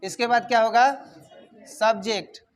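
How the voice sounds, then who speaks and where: A man's voice: very high voice, fairly even intonation, normal speed, clear, resonant tone. A male teacher teaching English grammar in a classroom, calling on students and dictating sentences word by word. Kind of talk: classroom lesson. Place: classroom with a whiteboard.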